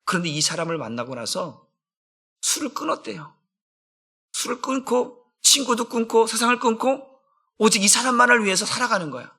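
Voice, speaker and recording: A man's voice: sits high, animated, normal speed, sharp tone. A middle-aged man, a senior pastor, giving an emphatic dawn prayer sermon and acting out friends' taunts in casual speech.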